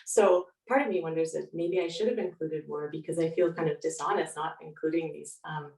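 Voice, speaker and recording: Female guest author, reflective and thoughtful, slightly low voice, recorded distant in an echoey room. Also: steady tone, fairly quick, gravelly, a little mellow. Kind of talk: reflective interview answers and reading aloud. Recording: roomy echo, distant mic.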